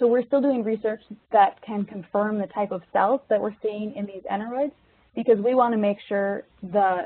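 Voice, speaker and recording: This woman talks at a fairly quick pace with an American accent. She has a normal speaking voice and fairly even intonation. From Minnesota, near Minneapolis. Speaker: PhD student in animal nutrition. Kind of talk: research interview.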